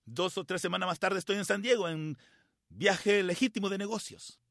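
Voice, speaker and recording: Middle-aged pastor with a high-set voice. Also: male voice, creaky, a bit bright, dry recording, studio quality. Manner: personal, emotional storytelling with dramatic pauses. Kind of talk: sermon storytelling.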